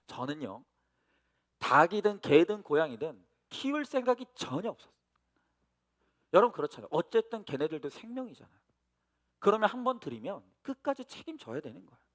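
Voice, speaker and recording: Male pastor, middle-aged, high and animated, storytelling sermon to the congregation. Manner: storytelling with lively asides to the congregation.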